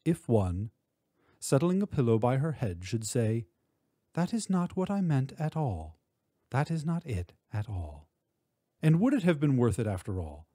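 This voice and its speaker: Mellow-voiced man reciting poetry dramatically. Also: mid-range voice, no echo, studio quality. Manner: expressive, measured, with drawn-out emphatic words. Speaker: poetry reader.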